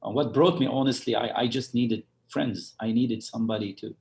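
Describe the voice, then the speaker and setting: A man from Lebanon, a church leader, telling his story as an interview guest, halting with many fillers and restarts. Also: mid-range voice, gravelly, darkish tone. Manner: halting, full of fillers and restarts, chuckles while telling stories.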